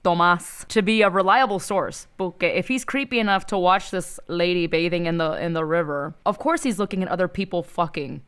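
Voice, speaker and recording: A woman with a clear, smooth voice that sits a little low. She co-hosts a casual comedy podcast, telling stories playfully and irreverently and slipping Spanish slang into her English. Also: brisk, hardly any pauses, a bit bright. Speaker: podcast co-host. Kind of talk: casual comedic storytelling chat.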